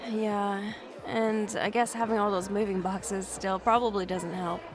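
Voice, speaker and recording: A woman's voice: mid-range voice, level tone, unhurried, crowd noise, natural voice. An actress playing an overworked, contented homebody in her twenties, speaking in a hesitant, understated way in a naturalistic audio drama. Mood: casual, content. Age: 20s. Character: twenty-six-year-old overworked woman, homebody, contented and cautious.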